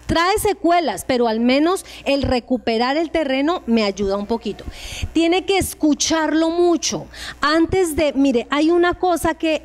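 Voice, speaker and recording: Colombian woman, high voice, informal lecturer who talks straight to her audience. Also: lively intonation, measured pace. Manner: addresses listeners directly with questions; acts out short dialogues in changed voices. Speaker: speaker giving a talk to tutors. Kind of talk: informal lecture on emotional support.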